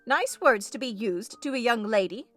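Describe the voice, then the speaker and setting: A protective, sensible housekeeper from a storybook, voiced by a woman. She speaks in a fairly high voice. She gently admonishes and soothes, staying firm throughout. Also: animated, moderate pace, soft background music. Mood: admonishing. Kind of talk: audiobook character voice.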